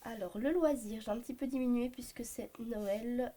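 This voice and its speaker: A woman in her thirties with a Belgian French accent, hoarse from a cold, chatting to camera about her family budget with many hesitant fillers. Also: fairly high pitch, normal speed, warm tone. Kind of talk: casual talk to camera. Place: home at a desk, morning.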